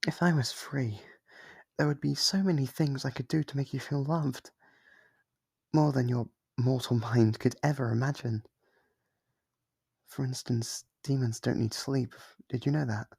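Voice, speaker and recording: A breathy, gravelly demon, acted by a man in an ASMR roleplay, recorded close and dry. He is lonely and clingy, speaking with tender, obsessive devotion and hesitant, coaxing intimacy. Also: mid-range voice, fairly even intonation, a little slow, a little mellow, dry recording. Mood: yearning, coaxing.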